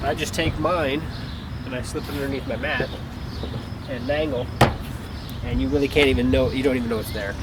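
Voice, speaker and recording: A man narrates a practical DIY job over clear background noise in a garage. His voice sits at an average pitch, and he explains each step informally with a folksy turn of phrase, talking while he works. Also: steady tone, fairly quick, long pauses. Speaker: DIY car tutorial presenter. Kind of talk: casual hands-on how-to narration. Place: garage, working around a vehicle. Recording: clearly noisy garage camera recording.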